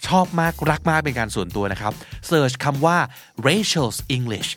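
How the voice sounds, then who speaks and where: A man's voice: mid-range voice, lively intonation, moderate pace, a bit bright, slight background noise. A man with a Thai accent, hosting a pronunciation lesson and spelling English words out letter by letter.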